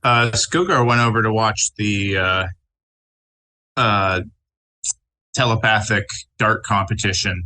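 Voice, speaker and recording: Male player, slow delivery, lowish bright voice, laid-back. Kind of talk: describing his character's actions at a tabletop game.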